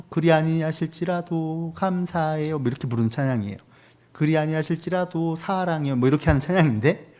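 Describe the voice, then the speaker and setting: A man's voice: medium pitch, a little mellow. A man in his thirties, a pastor delivering a conversational sermon with rhetorical questions. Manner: conversational preaching with acted quotes and rhetorical questions.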